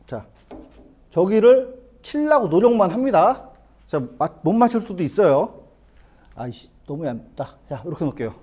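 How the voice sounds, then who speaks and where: A middle-aged man giving a hands-on billiards lesson in a billiard hall, explaining step by step and asking the viewer quick questions as he plays. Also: high voice, sing-song, warm tone, slightly rough, muffled recording. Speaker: billiards instructor. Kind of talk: hands-on lesson, talking while playing.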